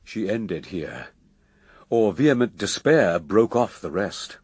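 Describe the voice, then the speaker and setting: A man with a husky voice narrating a verse radio drama in a solemn, measured way. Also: fairly low pitch, big pitch swings, darkish tone, no room sound, exaggerated voice. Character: solemn epic poet narrator.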